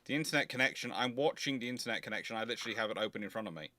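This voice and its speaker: This naval history livestream host races through his casual explanations and answers, emphatic and rambling. He has a low voice with lively intonation and a pushed, bright quality. There is no echo.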